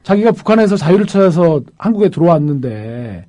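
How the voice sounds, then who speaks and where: A man, a defense lawyer, telling a case story in a lively panel talk and acting out the people he quotes. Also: fairly high pitch, fairly quick.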